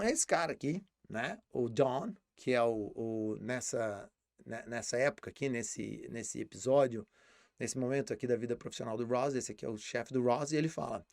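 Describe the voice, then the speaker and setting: A man's voice: mid-range voice, normal speed, vocal fry, a little mellow, dry recording, clean studio sound. A man with a Brazilian Portuguese accent teaching English in a live online lesson, explaining patiently and repeating words as he thinks.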